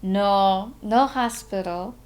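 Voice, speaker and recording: An eccentric, self-important man played by a woman reading a book aloud speaks in clipped, broken English. He teases and insists, dragging his short emphatic phrases out slowly at a middling pitch. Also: a little mellow, natural voice, rough recording. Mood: dismissive.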